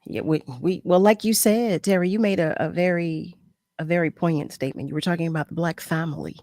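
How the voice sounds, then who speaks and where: A woman's voice: fairly low pitch, fairly even intonation, a little fast, a little mellow, dry recording. A woman hosting a talk show keeps pressing her guest and rephrases her questions with care. Her voice is close and dry, with no room sound. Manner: probing, careful, repeats questions. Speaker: radio talk show host. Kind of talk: casual radio interview.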